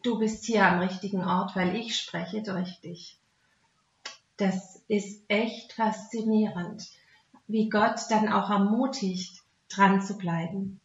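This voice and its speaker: A woman with a Swabian German accent speaks slowly at medium pitch, her intonation fairly even. As a Christian speaker, she gives a plain-spoken, earnest, conversational devotional talk blending Bible teaching with personal testimony. The recording has a roomy echo and a dull, muffled sound.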